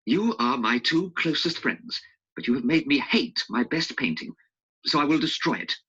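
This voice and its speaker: A man's voice: mid-range voice, animated, normal speed, sharp tone, slightly rough, voice pushed up. A man reading an audiobook voices an earnest male painter who speaks in an insistent, protective way. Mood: reproachful. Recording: dull lo-fi recording.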